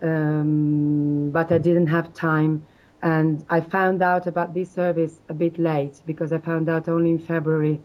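A woman from South Africa with a low voice answers interview questions. She speaks hesitantly, pausing often and restarting her sentences. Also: level tone, highs cut off. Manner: hesitant, many fillers and restarts. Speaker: interview guest, exam candidate.

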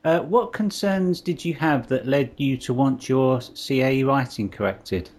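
A man hosting a podcast, reading a clear scripted intro and asking an interview guest questions. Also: mid-range voice, a little mellow. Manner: clear, deliberate, spells out addresses slowly.

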